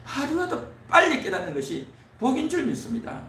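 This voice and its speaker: A man's voice: extremely high pitch, huge pitch swings, a little fast, bright, forceful tone, a little hiss or hum. A man preaching a Sunday sermon as pastor, building emphasis through repeated phrases. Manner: preaching with rising emphatic repetition. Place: church sanctuary. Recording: echoey church hall, distant mic.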